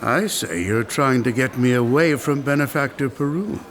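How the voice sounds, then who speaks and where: A man's voice: mid-range voice, moderate pace, fairly bright tone, natural voice. A man acting in an audio drama as a defiant, ambitious politician with a combative, cutting manner. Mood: cold, suspicious. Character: defiant, ambitious politician arguing for a modernised planet. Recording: music under the voice.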